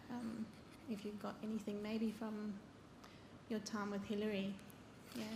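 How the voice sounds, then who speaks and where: There is audible room echo and noticeable background noise as a woman speaks at a fairly high pitch. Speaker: audience member, government worker. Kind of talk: audience question.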